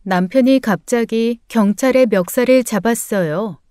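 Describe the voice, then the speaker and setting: A woman's voice: fairly high pitch, a little slow, dark tone, smooth, no room sound, clean studio sound. A woman narrating a first-person story with dramatic, emotional storytelling.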